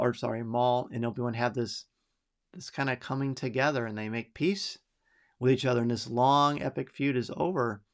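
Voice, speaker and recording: A middle-aged man hosting a live podcast, chatty and enthusiastic as he reads out listener picks and reacts to them. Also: mid-range voice. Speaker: podcast host.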